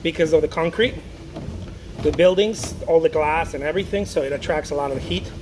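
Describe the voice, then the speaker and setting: A man's voice: on the high side, fairly quick. A man from Mexico, an artist chatting casually on a livestream, rambling with many restarts and reading viewer comments aloud. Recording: noticeable background noise.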